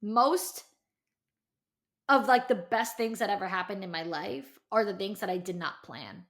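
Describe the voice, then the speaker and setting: A woman's voice: mid-range voice, a little slow, a bit bright. A woman of thirty hosting a casual solo podcast, talking candidly and chattily with lots of "like" and "you know", then urging her listeners on with emphatic encouragement. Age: 30s. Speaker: podcast host.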